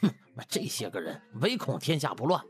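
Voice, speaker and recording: A man's voice: mid-range voice, huge pitch swings, normal speed, soft background music. A man voicing a flustered house butler, bossy and placating by turns, in a comic audiobook. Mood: grumbling. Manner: coaxing superiors, snapping at underlings.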